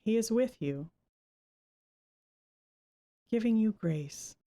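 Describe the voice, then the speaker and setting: A woman leading a guided Christian meditation, giving gentle, unhurried instructions with long pauses between phrases. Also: a little high, animated.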